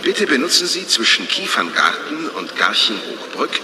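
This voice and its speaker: A man reading a formal transit announcement over a station loudspeaker. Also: mid-range voice, big pitch swings, moderate pace. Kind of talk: scripted public announcement. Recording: echoey hall with crowd behind.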